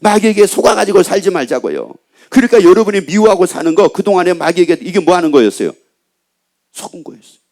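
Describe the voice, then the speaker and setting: A man's voice: high-pitched, very animated, fast, darkish tone. A male pastor preaching a Sunday sermon in a church, asking the congregation questions and answering them himself with repeated phrases. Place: church sanctuary.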